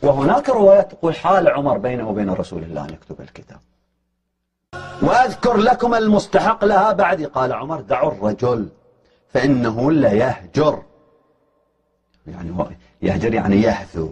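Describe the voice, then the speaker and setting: A man's voice: medium pitch, wildly swooping pitch, fast, darkish tone, a little hiss or hum. A man giving a heated, argumentative religious lecture, pressing his points with emphatic challenges.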